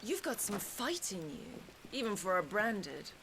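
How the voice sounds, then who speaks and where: A woman's voice: mid-range voice, big pitch swings, noisy background. A woman playing a haughty, mocking military commander, a cruel and seductive game villain who draws out her taunts. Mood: mocking, amused. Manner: taunting, drawn-out delivery. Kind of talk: video game cutscene acting.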